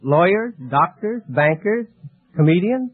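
A man from California with an American accent, answering a quiz host politely and haltingly as a contestant. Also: high-pitched, animated. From California, United States. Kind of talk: plain, halting interview answers. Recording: narrow, crackly old radio broadcast.

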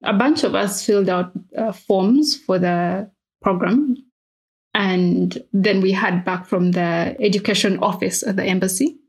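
A woman's voice: medium pitch, measured pace, husky. A woman in her twenties with a Ugandan accent, telling a personal story in a conversational, reflective way. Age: 20s. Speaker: interviewed alumna, history PhD student.

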